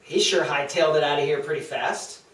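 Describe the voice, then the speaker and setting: A man's voice: fairly high pitch, a little fast, a bit bright, lightly acted. A young man at a table read playing a smart-mouthed, skeptical young Greek in a comedy, dry and teasing. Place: small meeting room around a table. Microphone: far camera or table recorder. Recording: echoey meeting room, distant mic.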